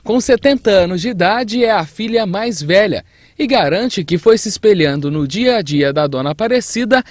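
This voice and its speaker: A man's voice: sits high, animated, normal speed, no room sound, studio quality. A young Brazilian man narrating a scripted news feature as a TV reporter.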